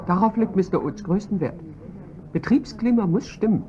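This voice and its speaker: An actress playing a cool, probing chief pharmacist in a radio drama. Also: female voice, mid-range voice, moderate pace, mellow, natural voice. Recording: dull lo-fi recording, faint hiss.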